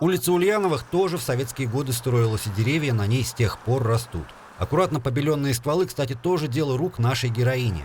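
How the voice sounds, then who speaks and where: Noticeable background noise sits behind a man talking at a very fast pace. His medium-pitched voice has lively intonation. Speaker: TV reporter. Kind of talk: TV news report narration.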